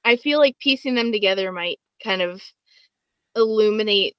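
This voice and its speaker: A woman's voice: medium pitch, normal speed, clean tone, no echo. A woman guest hosting a podcast in casual conversation, recorded over a slightly lo-fi group voice chat.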